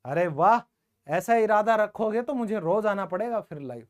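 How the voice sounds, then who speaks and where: A man's voice: sits high, lively intonation, normal speed. A man teaching English grammar in a live online class, speaking in a colloquial, jokey way and talking directly to his students.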